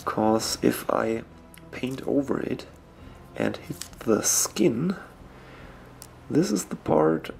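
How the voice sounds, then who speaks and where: Slow, gravelly German-accented man. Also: mid-range voice, a little hiss or hum. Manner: slow, hesitant, searching for words with many ums. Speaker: miniature painting tutor. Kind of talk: casual talk while painting.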